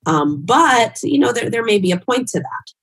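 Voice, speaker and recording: A woman in her thirties giving thoughtful, measured answers in a conversational interview from home. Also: fairly high pitch, very animated, breathy edge. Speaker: psychologist guest, relationship podcaster. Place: home room, indoors. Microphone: video call, wearing headphones.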